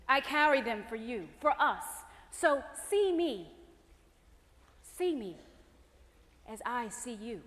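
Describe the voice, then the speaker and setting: Woman performing a tender pleading figure of hope, high voice, long reverb. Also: a bit bright, full character voice. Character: gentle hopeful woman personifying faith and future. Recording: reverberant hall.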